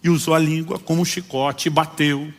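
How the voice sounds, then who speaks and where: With a Brazilian Portuguese accent, a pastor from Brazil tells stories in his sermon, acting out the conversations animatedly. His voice is on the high side and fairly quick, trailing a long reverb tail.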